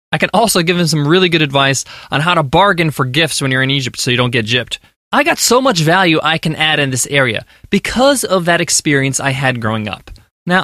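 An American man in his thirties delivers an emphatic, motivational monologue of business advice. His voice sits high and bright and swings widely in pitch. The recording is dry, with no room sound. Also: no room sound. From United States. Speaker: podcast host.

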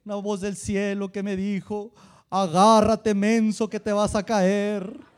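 A man voicing an old man over seventy who gives a slow, earnest church testimony. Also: sits high, level tone, clean tone.

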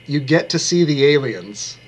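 A man's voice: on the high side, lively intonation, normal speed, slight background noise. A man co-hosting a book podcast, reading a plot summary with dry, joking delivery. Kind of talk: casual book podcast chat and read summary.

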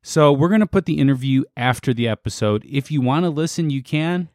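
A man's voice: mid-range voice, lively intonation, fairly quick, a little mellow, no echo. A man co-hosting a podcast, chatting casually and throwing in dry jokes. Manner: joking interjections, dry humor. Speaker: podcast co-host. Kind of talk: casual chat.

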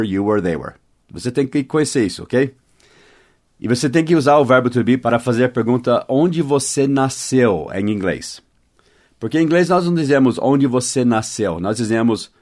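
A man's voice: medium pitch, a little mellow. Man teaching English in Portuguese. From United States. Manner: patient, slow spelling and repetition. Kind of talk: online English lesson in Portuguese.

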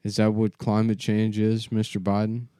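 Male podcast co-host, lowish voice, deadpan rambling comic, dry sound. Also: moderate pace, clean tone, no echo. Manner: rambling, deadpan mock-newscaster bits. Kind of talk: crude comedy banter.

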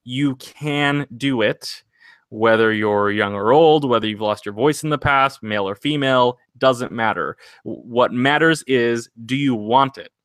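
A man's voice: medium pitch, unhurried, a bit bright, no echo, clean studio sound. A man hosting a singing podcast, talking casually and earnestly, rambling into motivational encouragement. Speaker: singing podcast host and vocal coach.

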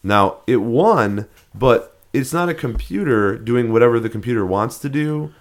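A man's voice: medium pitch, animated, moderate pace. A man co-hosting a podcast in casual chat, rambling with frequent restarts and fillers. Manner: rambling, many restarts and fillers, laughs at odd names. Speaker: podcast co-host.

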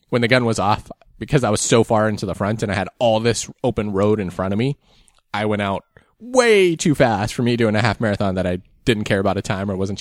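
A man with a fairly low, slightly hoarse voice chats casually as a podcast co-host, rambling through a race recap in a laid-back way full of ums. The audio is clean studio sound with no echo.

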